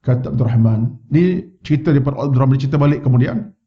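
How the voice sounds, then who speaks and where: Malaysian Malay preacher telling a story. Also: male voice, quick pace, highs cut off. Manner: storytelling, acts out quoted voices with rising pitch. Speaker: religious teacher. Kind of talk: mosque lecture. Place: mosque. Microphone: wireless microphone.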